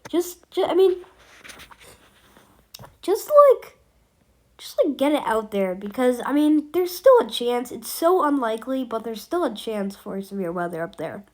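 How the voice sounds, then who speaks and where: A woman's voice: on the high side, sing-song, measured pace, a little mellow. A woman giving a casual storm update as an amateur weather forecaster, rambling and hesitant with many fillers, while she has a cold.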